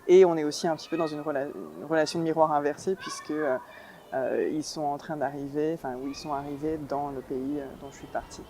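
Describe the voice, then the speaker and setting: A woman's voice: sits low, brisk, mellow. Woman in her thirties from New York, documentary maker, hesitant and reflective delivery, faint noise behind. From New York, United States. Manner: thoughtful, hesitant, searching for words. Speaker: documentary filmmaker. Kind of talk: reflective interview answer.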